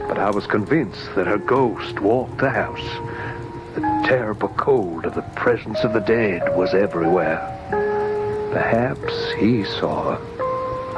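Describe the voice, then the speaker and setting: Earnest, probing young man, theatrical radio-drama style, lively pitch, dull aged recording. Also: heavily acted. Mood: brooding narration. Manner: intense, dramatic, insistent. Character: earnest, anxious, probing grown son. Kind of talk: old-time radio drama acting and narration.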